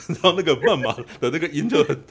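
A man rattles along at a quick clip in casual podcast chat. His pitch swings widely as he spins his stories, and he keeps checking in with his listeners. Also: vocal fry, husky. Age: 40s. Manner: animated storyteller, keeps asking "you know?". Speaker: podcast co-host.

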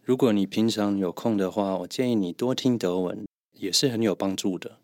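A man co-hosting a podcast as a German teacher, calmly and methodically explaining pronunciation. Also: lowish voice, normal speed, no echo, studio quality. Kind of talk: podcast language lesson.

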